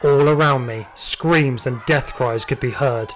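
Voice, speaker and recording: A man's voice: medium pitch, a little slow, lightly acted. Man as a gritty guard narrating over noise. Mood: grim, fearful. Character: hardened trigger-happy male security guard recounting growing terror. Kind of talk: first-person audio drama narration.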